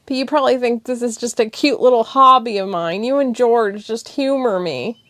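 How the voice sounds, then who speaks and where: A tearful young woman, put on by a female reader who breaks into high, breathless pleas between sniffles. The voice stays dry and close, with a gravelly edge underneath. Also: animated, takes it slowly, a little mellow, no room sound, heavily acted. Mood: upset pleading. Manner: high, pleading, breathless outbursts. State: crying, sniffling. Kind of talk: audiobook character voice.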